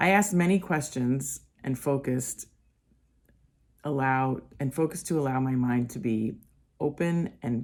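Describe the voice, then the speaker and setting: With an American accent, a woman talks at a moderate pace in a very deep, low voice with ordinary pitch variation. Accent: New Jersey (occasional). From New Jersey. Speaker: executive resume writer. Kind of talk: personal story reading.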